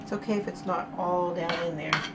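A woman's voice: on the low side, steady tone, fairly quick, heavy background noise. A middle-aged woman hosting her cooking channel, chatting through each step as she cooks in her home kitchen. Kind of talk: casual cook-along narration.

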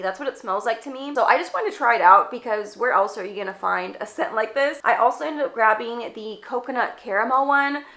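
A woman's voice: a little high, pushed and bright. A woman in her twenties, stuffed up and slightly congested, chatting casually through a product haul with lots of "like" fillers, filmed close in a small room. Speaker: beauty vlogger. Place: small indoor room with shelves.

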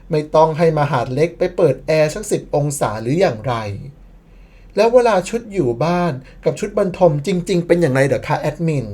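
A woman's voice: deep voice, warm tone. A woman narrating a scripted history commentary as the channel admin, playful and sarcastic, with bursts of mock disbelief.

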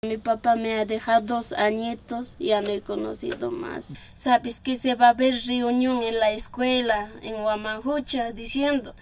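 Woman, Andean Peruvian accent, middle-aged, gravelly fairly high voice, halting testimony. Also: darkish tone. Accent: Andean Peruvian Spanish. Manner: halting, simple phrasing, tearful memories. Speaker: relative of a disappeared man, giving testimony. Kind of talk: personal testimony.

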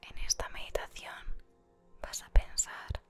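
A woman with an accent from Spain whispering an ASMR guided meditation in a soothing, gentle, unhurried manner. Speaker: ASMR creator guiding meditation. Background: music.

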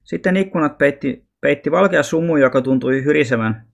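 A man reading a children's novel aloud as an audiobook, in a calm, even storytelling manner. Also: on the high side, vocal fry. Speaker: audiobook reader.

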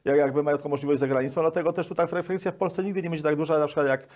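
Older polish guy, 60s, giving interview answers, talks fast, slightly high voice, wordy. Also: fairly even intonation, a little mellow. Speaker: guest, local government official. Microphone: lapel microphone.

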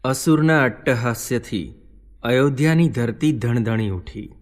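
A man's voice: medium pitch, a little slow. A man giving solemn, vivid scripted narration of a devotional story, heard with a long hall reverb.

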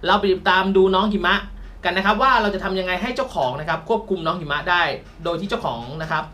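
A man's voice: sits high, fast talker, sharp tone. A man working as a dog trainer, coaching an owner outdoors with firm, short commands and explanations. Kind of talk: on-location dog training instruction.

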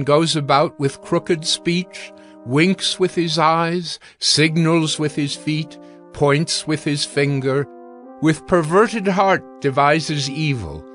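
Male scripture narrator; very unhurried and grave, with faint music underneath. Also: a little high, a bit bright. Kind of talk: dramatized scripture reading.

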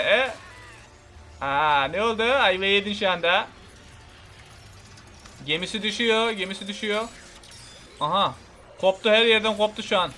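Excitable high-voiced man commenting on a game. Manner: excitable, swears casually, yells at the game; reads on-screen text aloud. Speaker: gamer. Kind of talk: casual let's play commentary.

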